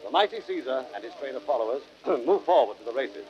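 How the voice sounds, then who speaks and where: A man's voice: medium pitch, animated, fast talker, faint music behind, lightly acted. A man acting as the grand narrator of a radio Roman tragedy, declaiming formally and portentously in 1930s style. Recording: dull, band-limited vintage radio recording.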